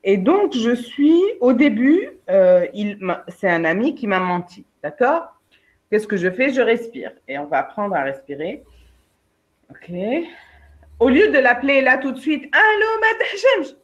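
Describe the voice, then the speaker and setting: A woman, a career coach and trainer giving a lively webinar talk, speaking straight to her participants and acting out her examples. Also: mid-range voice, measured pace. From Algeria. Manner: lively, addresses participants directly, acts out examples. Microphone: video call. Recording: dull lo-fi online webinar audio.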